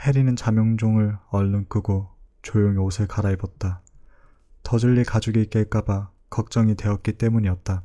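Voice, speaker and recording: A man speaks in a fairly low pitch with monotone, flat intonation. His loudness stays very even. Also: moderate pace. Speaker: audiobook narrator. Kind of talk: audiobook reading.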